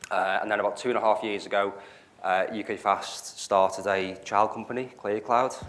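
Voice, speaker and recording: A man's voice: on the low side, fairly even intonation, moderate pace, a bit bright. A man with a Liverpool accent presenting a tech talk to a meetup audience, hesitant, with many fillers. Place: meetup venue, live audience. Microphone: handheld mic.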